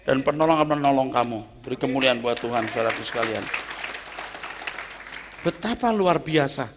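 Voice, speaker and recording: A man preaching a sermon as pastor, emphatic, jumping from loud exclamations to soft asides. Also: medium pitch, animated, normal speed, crowd noise, noisy background.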